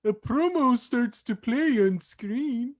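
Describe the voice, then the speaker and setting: Casting: female narrator for a staged reading, expressive, higher-set voice reading scripted action. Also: takes it slowly.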